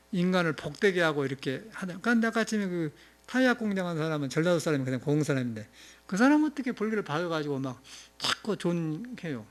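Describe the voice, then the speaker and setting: A Buddhist monk with a Jeolla accent giving a rambling, conversational dharma talk, often chuckling and dropping in filler sounds. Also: male voice, high-pitched. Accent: Jeolla Korean. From Jeolla, South Korea. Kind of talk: informal sermon.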